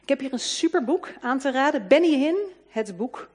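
Woman, fairly high voice, earnest, emphatic, devotional talk. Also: animated, moderate pace, a little mellow. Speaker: Christian speaker. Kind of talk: devotional talk reading from a book.

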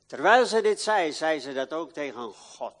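An older man preaching a sermon in a church, swinging from loud declaiming to quiet, confiding talk. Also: fairly high pitch, big pitch swings, moderate pace, in a large hall.

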